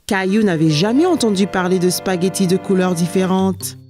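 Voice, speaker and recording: A woman performing as the gentle storytelling narrator of a children's cartoon in French, with soft music behind. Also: medium pitch, moderate pace, close to an everyday voice.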